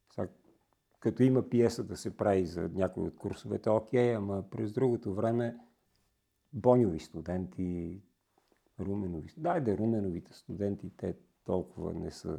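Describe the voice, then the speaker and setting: With a normal speaking voice, a man talks at a moderate pace in a fairly low pitch with ordinary pitch variation. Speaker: puppet maker. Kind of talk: casual chat. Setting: workshop.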